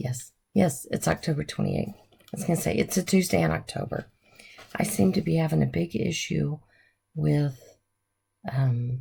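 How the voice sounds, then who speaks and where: A woman speaks at a moderate pace with long, frequent pauses and vocal fry. Her very deep, low voice swings very widely in pitch. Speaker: cross-stitch vlogger. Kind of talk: casual chat.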